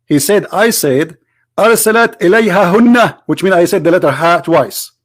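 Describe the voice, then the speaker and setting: A man with a tired voice giving hesitant casual commentary as a video host, clearing his throat and pausing with fillers. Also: sits high, animated, no room sound, clean studio sound.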